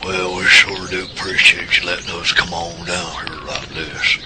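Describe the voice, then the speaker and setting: A man's voice: low-pitched, level tone, moderate pace, very noisy, natural voice. A man playing a folksy, grumbling old country man with a rural Southern US accent in an audio drama. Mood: folksy polite.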